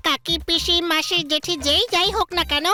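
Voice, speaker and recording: A woman voicing Honey, a boastful and silly young boy in a dubbed cartoon, with a squeaky childlike voice and a cocky, playful way of talking. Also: steady tone, brisk, bright, forceful tone. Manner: cocky, playful, hums a lot.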